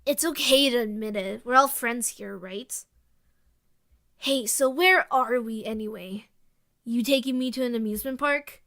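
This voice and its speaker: A woman's voice: fairly high pitch, measured pace, a bit bright. A woman playing a cheeky, defiant young boy in an audio drama, sarcastic and needling. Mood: cheeky taunting.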